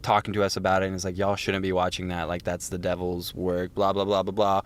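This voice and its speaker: A man's voice: deep voice, completely flat delivery, fast. A young man co-hosting a podcast, telling stories casually in a self-mocking, digressive way with some swearing. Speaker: podcast co-host. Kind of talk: casual chat, rambling storytelling.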